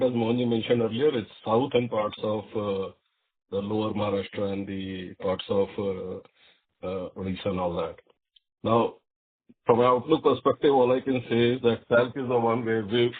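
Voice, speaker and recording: A man's voice: on the low side, slightly rough. A man with an Indian accent, a company executive explaining business performance on a conference call. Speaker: company executive answering analysts. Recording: narrowband phone conference line.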